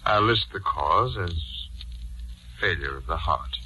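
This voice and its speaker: Deep, slow, grave doctor. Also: male voice, lively intonation. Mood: solemn. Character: grave, consoling male family doctor. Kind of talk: 1940s radio drama acting. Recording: noisy old radio recording.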